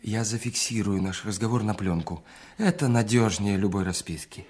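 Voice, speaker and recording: An actor playing a guarded, calm and exacting male spy in an audio drama, husky and measured, with pauses. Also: lowish voice.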